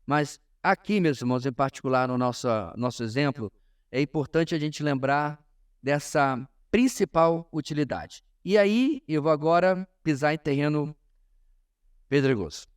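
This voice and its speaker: A man with a Brazilian Portuguese accent teaches a church class as a pastor, in an informal sermon style, emphatic and often pausing to address his listeners directly. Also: on the high side, clear, resonant tone. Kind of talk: informal sermon-like lesson to a congregation.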